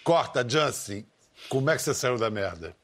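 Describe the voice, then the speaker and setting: A man's voice: medium pitch, lively intonation, moderate pace, a bit bright. A man hosting the talk, breaking in with joking questions. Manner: joking interjections.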